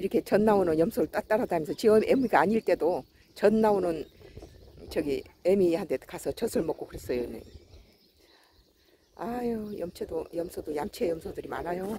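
A woman talks at a moderate pace with lively intonation and long, frequent pauses. The sound is dry with no echo, over light background noise. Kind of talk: casual vlog chat. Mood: amused, affectionate. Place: open country. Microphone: phone near.

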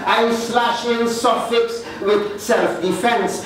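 An extremely high-pitched man speaks at a very slow pace. Strong room echo and light background noise surround his voice. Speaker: poet performing. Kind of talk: poetry performance. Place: hall.

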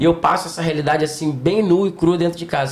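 A man's voice with fairly even intonation. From Rio de Janeiro, Brazil. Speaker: samba singer. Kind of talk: podcast interview answer. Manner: casual. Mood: reflective, warm. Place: studio. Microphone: studio mic.

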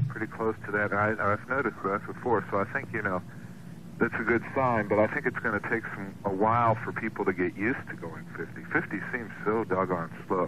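A man talks fairly quickly at a fairly low pitch, his pitch varying in an ordinary way, while noticeable background noise sits behind him. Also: dry sound with no echo. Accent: American. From United States, Terre Haute area. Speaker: radio caller. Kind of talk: phone call to a radio show, casual conversation.

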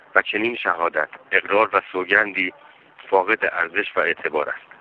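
A man talks at a moderate pace while noticeable background noise carries on underneath. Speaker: political prisoner. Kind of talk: reading a written legal defense. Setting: phone line.

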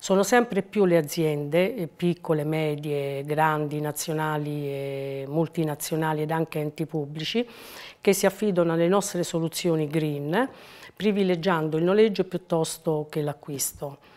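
Very deep, low female voice at a fairly slow pace with ordinary pitch variation. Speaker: company executive. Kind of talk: interview. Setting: stage with audience. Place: studio. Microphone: lapel.

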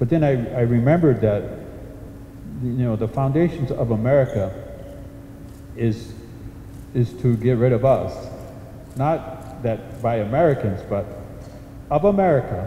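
A man talks at a moderate pace with ordinary pitch variation, leaving long, frequent pauses, over light background noise in a room with audible echo. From New England, US. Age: old. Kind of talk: conference presentation. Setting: stage with audience. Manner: halting. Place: hall. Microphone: handheld.

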